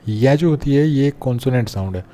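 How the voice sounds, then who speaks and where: A man teaching an English grammar lesson step by step, often pausing to check that students follow. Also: medium pitch, lively intonation, dark tone. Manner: explains step by step, often checks with "theek hai na". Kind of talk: classroom-style grammar lesson.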